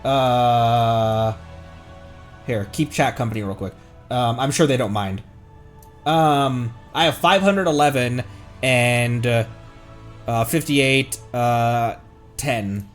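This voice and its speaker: A man's voice: mid-range voice, slow, long pauses, faint music behind. A man doing casual, playful gameplay livestream commentary, goofy, sweary and given to silly little noises. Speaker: streamer playing a video game. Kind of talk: casual gameplay livestream commentary, reading game text aloud.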